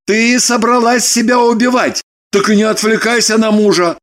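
A man's voice: high-pitched, moderate pace. A man playing a dry, teasing charmer. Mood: mocking. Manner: dry, teasing, mockingly calm. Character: wry, flirtatious man calming a hysterical woman. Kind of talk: audiobook character reading.

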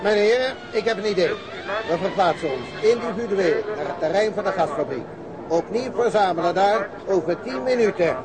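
An actor playing a self-important, brusque police commander in a radio drama, with an officious, pompous manner. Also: male voice, high-pitched, expressive, normal speed, over a noisy crowd. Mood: self-assured, commanding. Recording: very noisy outdoor street and traffic effects.

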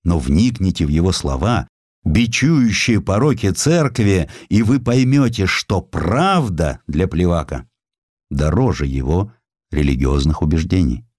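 A man with a deep voice delivers dramatized historical narration. His storytelling is theatrical, with lively, wide-ranging intonation, and the sound is close and dry. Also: measured pace, no room sound.

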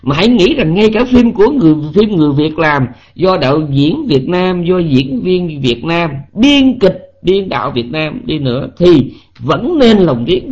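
A man's voice: fairly high pitch, a little mellow, husky. A man with a Southern Vietnamese accent giving a Buddhist dharma lecture, emphatic and scolding, firing off rhetorical questions. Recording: lo-fi online voice chat audio.

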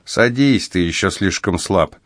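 A man voicing a kind, gentle older male prisoner who looks after a sick young man, speaking in a reassuring way in an audiobook. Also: low voice, lively intonation, a little slow, no room sound, studio quality. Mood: caring. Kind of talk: audiobook character voice.

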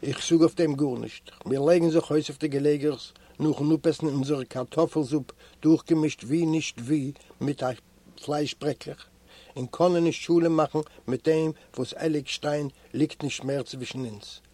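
A man from Eastern Europe reading a literary memoir aloud as an audiobook narrator, in a measured, earnest storytelling manner. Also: fairly high pitch, steady tone, mellow, dry recording. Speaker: audiobook reader.

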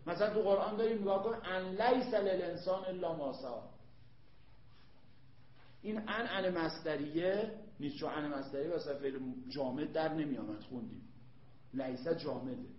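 A man teaching an Arabic grammar lesson, emphatic, repeating points and quizzing his students. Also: sits high. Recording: echoey room, dull lo-fi sound.

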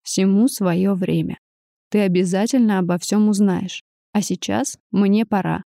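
Brief: a woman doing a calm, teasing young man, mellow and close, unhurried. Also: mid-range voice, creaky, no room sound. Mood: firm. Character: calm, mocking young male suitor. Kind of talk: audiobook narration.

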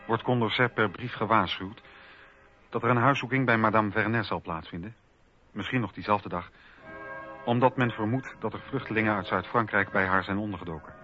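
A man's voice: fairly low pitch, pushed and bright. A man narrating a documentary radio drama from a script. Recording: dull lo-fi radio recording. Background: music.

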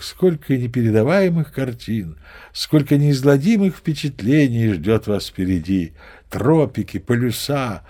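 A man's voice: mid-range voice, mellow, natural voice. An actor playing a grandiose, boastful old sea captain in an audio play, savouring his phrases theatrically. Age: older. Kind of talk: audio play character acting.

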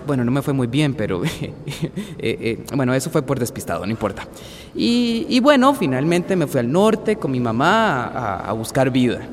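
A man's voice: medium pitch, sing-song, moderate pace, long reverb tail, a little hiss or hum, natural voice. An actor playing a young man who nervously thanks a crowd, stumbling over his words. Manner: hesitant, stumbling, lots of fillers. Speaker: grandson giving a thank-you speech.

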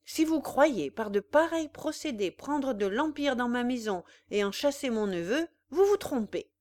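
A woman's voice: fairly high pitch, expressive, a little slow, voice pushed up. A stern old white-haired farmer, as a woman reads him. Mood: stern indignation. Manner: stern and forceful.

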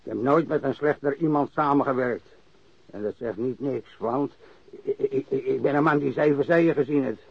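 Gravelly, bitter old dockside worker. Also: male voice, mid-range voice, moderate pace, dry recording. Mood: bitter, blunt. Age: older. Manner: grumbling, rambling, cursing, repeats himself. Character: crusty old warehouse worker and ex-sailor, blunt, bitter. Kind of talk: radio drama acting. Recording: dry, dull lo-fi radio recording.

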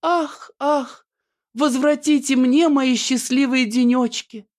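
A male reader voicing a young peasant woman in a village stage melodrama, shrill, sing-song and theatrically lamenting. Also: steady tone, slow. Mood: tearful, lamenting.

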